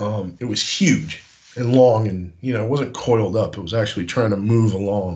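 A somewhat breathy voice with an American accent, ordinary pitch variation and a moderate pace. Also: man, fairly low pitch for a man. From New York City area. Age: 40s. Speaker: electrician and IT professional sharing encounter stories. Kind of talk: first-person encounter testimony. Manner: casual with many filler words. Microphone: phone line.

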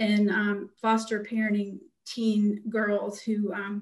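A woman's somewhat breathy voice in monotone, flat intonation against a quiet background. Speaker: guest. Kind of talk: interview answer. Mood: warm, grateful, informative. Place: home room. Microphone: video call.

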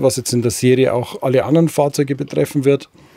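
A man rattles along at a very fast pace in a fairly high pitch, his dark, mellow tone recorded dry with no echo. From Bavaria, Germany. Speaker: motorhome importer and dealer. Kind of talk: product presentation. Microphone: phone near.

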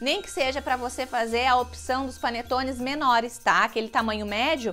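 A high-pitched woman at a fairly quick pace with ordinary pitch variation, faint music in the background. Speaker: baking course instructor. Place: kitchen. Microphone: lapel.

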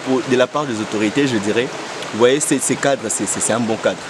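A man talks at a moderate pace with fairly even intonation over loud background noise. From DR Congo. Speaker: law student, tourist. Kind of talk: on-site interview. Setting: outdoors at a waterfall. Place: waterside. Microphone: phone near.

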